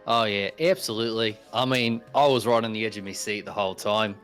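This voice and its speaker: A man's voice: lowish voice, fairly quick, fairly bright tone. A male co-caster commentating a game in a put-on Australian accent, with teasing, laid-back banter. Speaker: esports co-caster. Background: faint music.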